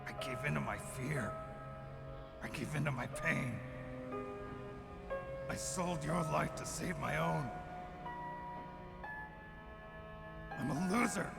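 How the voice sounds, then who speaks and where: An actor playing a gruff, world-weary, self-blaming soldier hero in a video game, with a gravelly growl. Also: male voice, fairly high pitch, unhurried, long pauses, over loud music. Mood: anguished, guilty. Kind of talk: dramatic video game voice acting.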